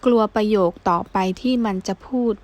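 A woman calmly reading first-person novel narration for an audiobook. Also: medium pitch, normal speed. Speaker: audiobook reader.

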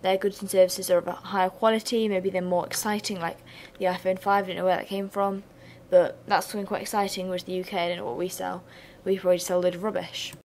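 Hoarse young woman teaching economics. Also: lowish voice, level tone, quick pace, hardly any pauses, a little mellow, a little hiss or hum. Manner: chatty, explains with asides. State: hoarse, losing her voice. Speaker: student revision tutor. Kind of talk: casual revision lesson.

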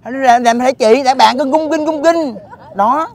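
A man with a strikingly high-pitched voice trades jokes with his friends. His talk is campy and playful, quick to echo a punchline. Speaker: comedian in a group. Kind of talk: teasing casual banter. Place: outdoors at a park.

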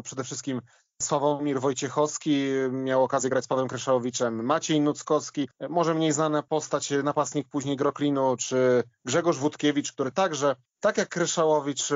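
Man, fairly high voice, hesitant unscripted sports discussion, frequent fillers, dry slightly dull recording. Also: no room sound. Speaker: podcast panellist.

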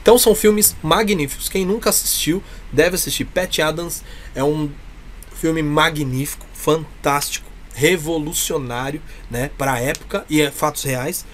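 At a normal speed and fairly high pitch, the man with a Brazilian accent, a clown performer, chats casually as an interview guest, effusive and talkative. Slight background noise is present in the small indoor room with a cloth backdrop.

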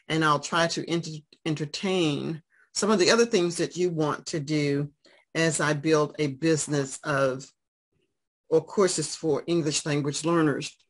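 A woman teaching English to adult learners over a video call from home, speaking in a steady, encouraging way. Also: deep voice, a little slow. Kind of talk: online class chat.

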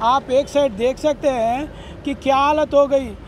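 A man's voice: very high voice, fairly even intonation, measured pace. A middle-aged man with a Hyderabadi accent, a party campaigner speaking to press microphones on a street. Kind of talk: political speech to press. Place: busy street, outdoors. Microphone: handheld press microphones held close. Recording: clear outdoor street traffic noise.

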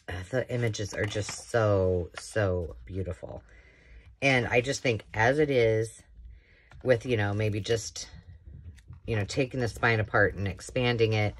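A woman's voice: rumbling low, slight background noise. A woman hosting a casual show-and-tell of thrifted books, chatty and rambling with enthusiastic asides, filmed indoors at a craft table. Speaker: craft channel host.

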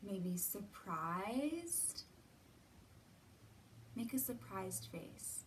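Woman in her 30s talking softly-paced to little kids, gentle questions, lots of pauses, mic a bit far off, some room noise. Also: mid-range voice, sing-song. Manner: simple encouraging questions with many pauses. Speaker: children's storytime host. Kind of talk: gentle guided lesson for young children. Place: indoor library room with bookshelves. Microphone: camera a few feet away. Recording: distant mic, roomy ambient noise.

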